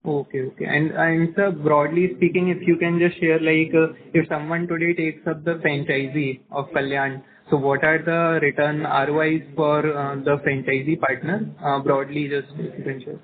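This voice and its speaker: A man speaks in a flat, slightly high voice as he politely asks analyst questions. He comes through a thin telephone line. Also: normal speed, few pauses. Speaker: investment analyst asking questions. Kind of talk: polite, halting questioning on a call. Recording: narrow phone line.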